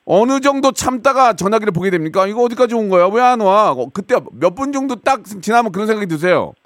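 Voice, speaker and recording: A man's voice: high voice, lively intonation, fast, no room sound, studio quality. A man hosting a radio call-in show, chatting jovially and teasing his callers. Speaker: radio host. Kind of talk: casual radio call-in chat. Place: radio studio.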